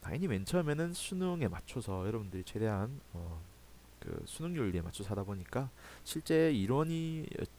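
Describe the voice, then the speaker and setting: A man with a Busan accent talks at a moderate pace, his medium-pitched voice dark and mellow in tone, with very wide pitch swings. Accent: Busan dialect (Gyeongsang). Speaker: high school ethics teacher. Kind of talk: recorded lecture, closing remarks to students. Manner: hesitant, many fillers and restarts.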